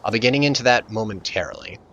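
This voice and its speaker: A man's voice: lowish voice, expressive, quick pace, dull audio, background noise. A man giving casual, jokey gameplay commentary as the host of a let's play.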